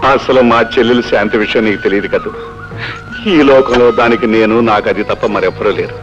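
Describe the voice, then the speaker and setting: An actor playing a jovial, talkative middle-aged police constable who teases and laughs easily, in an old film scene. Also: male voice, fairly low pitch, fairly quick, natural voice. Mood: kindly. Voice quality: chatty, teasing, laughing easily. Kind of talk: 1970s Telugu film acting. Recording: dull old film soundtrack with music.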